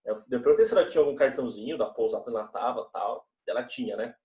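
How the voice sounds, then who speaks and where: A man's voice: medium pitch, fast, dark tone, dull audio. Chatty young male teacher, echoey room. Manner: conversational, chatty, frequent "né?". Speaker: religious education teacher. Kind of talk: classroom talk to students. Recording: echoey room, mic at a distance.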